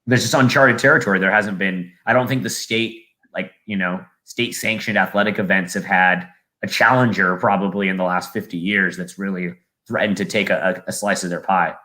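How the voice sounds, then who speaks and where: A man's voice: deep voice, steady tone, a little fast, pushed and bright. A young man with a Southern California accent, a play-by-play announcer chatting on a podcast, rambling with lots of fillers and restarts. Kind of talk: casual podcast chat.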